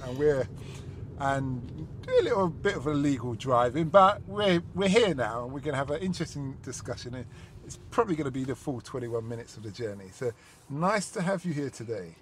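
A man's voice: medium pitch, lively intonation, brisk. A man hosting a podcast from his parked taxi, chatting casually and restarting his sentences. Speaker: taxi driver and podcast host. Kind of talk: casual chat. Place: parked car. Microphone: podcast mic. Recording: noisy car recording. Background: car and street noise.

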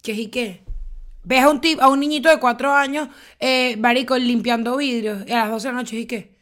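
Animated young Venezuelan woman, high voice. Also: fairly quick. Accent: Venezuelan Spanish. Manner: animated, emphatic storytelling with slang. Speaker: podcast co-host. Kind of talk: casual chat.

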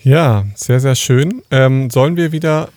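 A man's voice: mid-range voice, a little slow, darkish tone. A man co-hosting a podcast, giving short affirming replies in a casual conversation. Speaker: podcast co-host.

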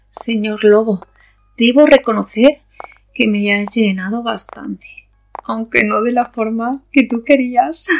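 A woman playing a seductive, hungry vampire in an audio drama, with a coquettish, predatory way of talking and a husky voice. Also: fairly high pitch, full character voice. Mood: sated, teasing. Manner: coquettish, purring. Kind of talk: audio fiction acting.

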